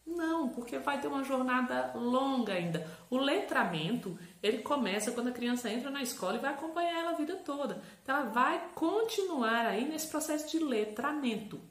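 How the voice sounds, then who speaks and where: A woman psychopedagogue explaining in a lively, teacherly way, slowly drawing out and spelling syllables. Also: sits high. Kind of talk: educational explainer video. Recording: roomy echo.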